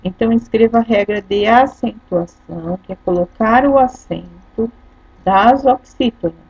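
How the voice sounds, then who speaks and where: A woman's voice: fairly high pitch, a little slow, darkish tone, husky, no echo. A woman teacher with a Brazilian Portuguese accent, patiently explaining a lesson step by step and often checking in with her pupils. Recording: dull lo-fi recording.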